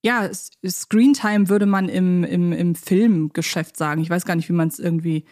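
A woman's voice: lowish voice, fairly even intonation, moderate pace, a little mellow. A woman co-hosting a podcast, chatting casually and enthusiastically. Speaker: podcast co-host.

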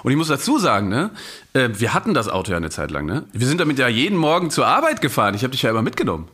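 Male podcast co-host, rapid chatty storyteller, tag questions throughout. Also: mid-range voice, sing-song, fairly bright tone, husky. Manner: rambling anecdote, frequent "ne?" tags. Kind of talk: casual chat, storytelling.

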